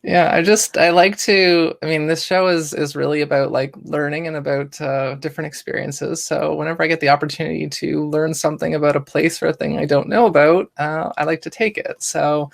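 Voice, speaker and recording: A woman's voice: low voice, steady tone, a little fast, vocal fry, few pauses. A woman hosting a podcast interview, talking casually and rambling a bit, with lots of fillers and restarts. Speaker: podcast host. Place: Toronto, Canada.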